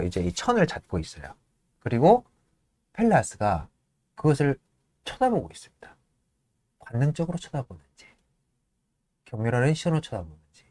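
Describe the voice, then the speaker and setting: A man's voice: mid-range voice, no echo. A man hosting a casual show, retelling the scenes of a play and acting out the lines of its characters. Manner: lively, breaks into laughter and apologizes; acts out lines in quick voices. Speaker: host.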